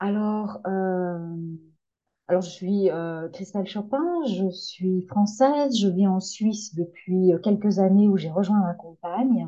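Talking very slowly, a woman uses a dark, mellow tone at a medium pitch with ordinary pitch variation. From France. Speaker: LGBT leader and spirituality coach. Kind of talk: interview.

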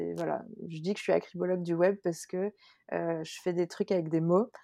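A woman's fairly low, dark and mellow voice in monotone, flat intonation at a moderate pace, with a dry, close sound and no echo. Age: 20s. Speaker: freelance copywriter. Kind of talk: casual interview.

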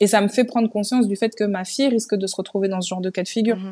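A woman's dark, mellow tone carries a fairly even intonation. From Belgium, Brussels. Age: 30s. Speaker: event organizer. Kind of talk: casual chat. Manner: halting.

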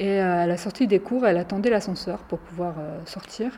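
A woman at medium pitch with a dark, mellow, somewhat breathy tone, fairly even intonation and a moderate pace. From France, Romanian Roma family, arrived from Romania at 8. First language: Romani (speaking French). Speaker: lawyer and activist. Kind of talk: testimony. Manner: hesitant, many fillers.

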